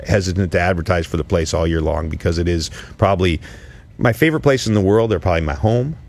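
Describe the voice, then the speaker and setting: A man's voice: low-pitched, fast, vocal fry. A man hosting a podcast, bantering with co-hosts and interviewing a guest in casual chat. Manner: joking, animated banter. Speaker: podcast host.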